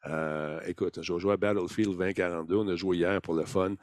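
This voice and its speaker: A man's voice: low-pitched, fairly even intonation, a little fast, crowd noise. A man with a Québécois French accent chatting casually and enthusiastically in slangy, colloquial language, rambling along as a podcast guest. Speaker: podcast guest talking about video games.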